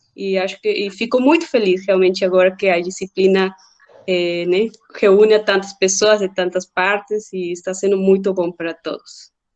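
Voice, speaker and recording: A woman at medium pitch with monotone, flat intonation and a moderate pace. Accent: Spanish. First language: Spanish (speaking Portuguese). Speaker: doctoral student. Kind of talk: self-introduction in online seminar.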